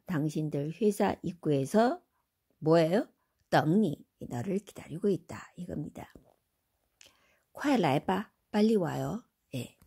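Lady teaching chinese, gravelly low voice, reads lines real slow. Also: warm tone. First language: Korean. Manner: reads Chinese lines very slowly, explains in Korean. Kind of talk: slow spoken language lesson.

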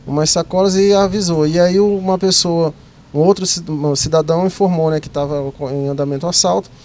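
Cop guy being interviewed, formal wording, fairly high voice, masked, handheld mic. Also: steady tone, fairly quick, a little mellow. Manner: formal police wording, frequent tag questions. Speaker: military police officer being interviewed. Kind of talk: interview account of an incident. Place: night, sheltered entrance outside a police station. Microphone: handheld mic, speaking through a cloth mask.

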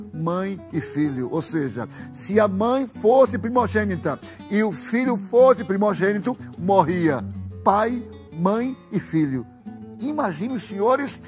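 A middle-aged man delivers a fervent, emphatic devotional sermon with dramatic pauses and repetition. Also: sits high. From Brazil. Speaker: evangelist preacher. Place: TV studio set like a living room. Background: soft guitar music.

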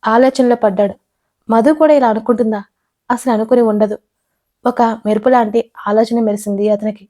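A woman narrating her own written audio story in a steady storytelling manner. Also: on the high side, fairly quick. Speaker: writer and narrator.

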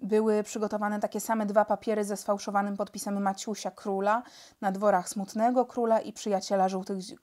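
A woman's voice: medium pitch, flat delivery, fairly quick, lightly acted. A woman reading a storybook, voicing a courteous, mild-mannered male spy chief. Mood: explaining. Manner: mild, courteous, gentle-spoken. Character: elegant polite male spy chief, calm.

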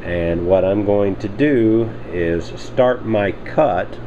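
A man calmly explaining, step by step, the work he is doing in his home workshop, recorded on a handheld camera. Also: fairly low pitch, dull audio, slight background noise. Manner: plain step-by-step explaining, unhurried. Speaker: hobby machinist reviewing a tool. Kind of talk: casual workshop demonstration. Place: home workshop with lathe and bench. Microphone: handheld camera mic, speaker off screen.

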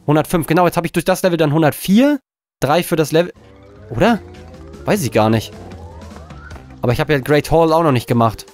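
A man giving live gameplay commentary as a let's play host, frustrated, swearing and talking himself calm, indoors at a desk. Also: on the high side, fairly quick, pauses often, soft background music.

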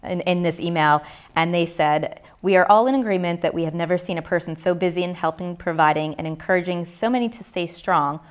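A woman in her thirties asking calm questions as the interviewer in a sit-down chat. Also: on the low side, a little fast, hardly any pauses, clear, resonant tone. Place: living room set indoors.

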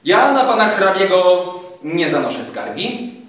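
A man doing a calm, reasoning judge. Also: high-pitched, a little slow, voice pushed up, heavily acted. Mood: measured. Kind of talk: stage recitation of epic verse. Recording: echoey hall from far off.

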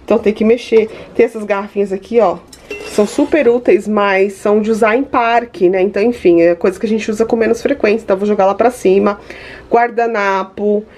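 A woman's voice: mid-range voice, steady tone, fairly quick, darkish tone, a little hiss or hum. Chatty Brazilian woman vlogging at home. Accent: Brazilian Portuguese. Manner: chatty, addresses viewers directly. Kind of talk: casual home vlog. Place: home kitchen.

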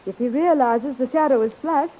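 Fretful young heroine, high voice, pleading, melodramatic, tinny old radio. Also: female voice, normal speed. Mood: anxious, pleading. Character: anxious, pleading young heroine in a space serial. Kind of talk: 1930s radio acting. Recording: tinny, narrow 1930s radio recording.

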